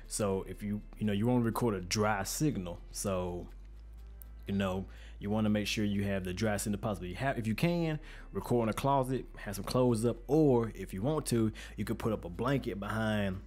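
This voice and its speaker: A man with a deep, bassy voice hosting an informal, conversational tutorial in slangy everyday speech, recorded close on a studio microphone. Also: normal speed, a little mellow. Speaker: music production tutorial host. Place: untreated home studio room with reflection filter. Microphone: studio microphone with pop filter, close up.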